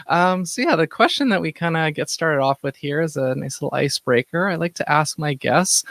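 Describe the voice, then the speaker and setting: Gravelly-voiced woman podcast host. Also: deep voice, no echo. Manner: chatty, frequent restarts and fillers. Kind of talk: casual podcast hosting.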